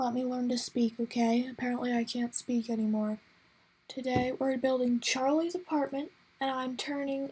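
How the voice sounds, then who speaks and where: A quiet voice at a moderate pace, flat and monotone in intonation. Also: woman. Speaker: gaming YouTuber. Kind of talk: casual gameplay commentary. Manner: quiet, hushed.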